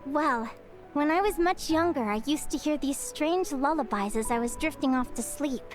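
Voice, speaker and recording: A woman's voice: high voice, moderate pace, soft background music, natural voice. A woman voicing a young female bird fae in a video game, curious, bookish and cheerful, speaking in an articulate, eager and often wistful way.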